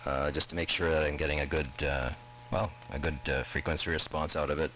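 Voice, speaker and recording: A man's voice: extremely low pitch, level tone, fairly quick, a bit bright. A ham radio operator from Canada talking close to the mic, chatting casually about his audio setup. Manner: technical, talks close to the mic. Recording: dull shortwave radio with faint static.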